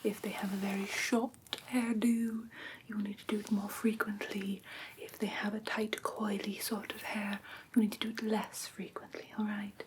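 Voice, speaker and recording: A woman playing a gentle, prim vampire teacher in whispered ASMR roleplay, breathy and careful, close to the microphone. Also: medium pitch, little pitch movement, moderate pace, noisy background, natural voice. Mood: calm, attentive. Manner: soft, careful, instructive, politely formal. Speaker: ASMR performer.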